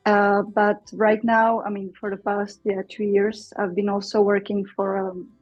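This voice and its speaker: Czech woman, flat thoughtful delivery. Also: medium pitch, measured pace, dry recording, muffled recording, faint music behind. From Czech Republic. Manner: thoughtful, many fillers and restarts. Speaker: guest, Czech teacher. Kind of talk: casual interview conversation.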